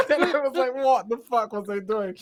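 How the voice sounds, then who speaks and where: A man with a Bajan accent telling anecdotes in casual, animated podcast chat as a comedian on the panel. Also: very high voice. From Barbados. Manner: animated storytelling, breaking into laughter.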